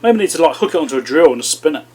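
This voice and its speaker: A man's voice: a little high, expressive, racing, darkish tone, a little hiss or hum. Man muttering through a bench repair. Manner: muttering to himself as he works, chatty asides to viewers. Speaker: electronics repair channel host. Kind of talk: casual running commentary while repairing.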